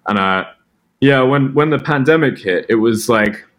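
A man's voice: medium pitch, lively intonation, moderate pace, a bit bright. A man from Britain with a British-American mixed accent that sounds Australian, chatting casually as a podcast guest. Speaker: podcast guest, music producer. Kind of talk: casual chat.

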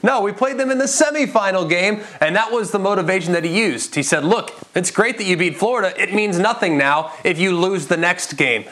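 A former player now working as a football analyst breaks down the game on a panel, confident and detailed, building his points with anecdotes from his own playing days. His voice is high, pushed and bright, and he talks a little fast with few pauses.

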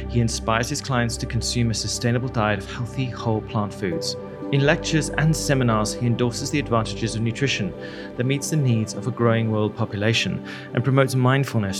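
A male podcast host reading a scripted introduction in a measured, upbeat way. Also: mid-range voice. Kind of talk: scripted intro, then interview questions.

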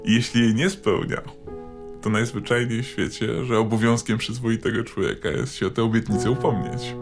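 A man speaks in a fairly low, gravelly voice over plucked guitar. His commentary is reflective and deliberate, leaning on repeated phrases to build each point. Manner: deliberate, rhetorical repetition. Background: plucked guitar music.

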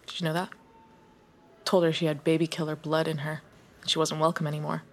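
A worn-out woman visiting an accused friend speaks in a curt, resentful manner, her voice sitting somewhat low. This is an audio drama. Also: level tone, brisk.

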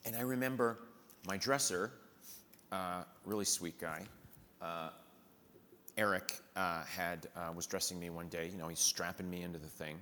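A man who performs in musical theater, telling lively anecdotes in conversation and acting out the people he quotes. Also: low voice, normal speed, long reverb tail, slight background noise. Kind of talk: storytelling in a conversation.

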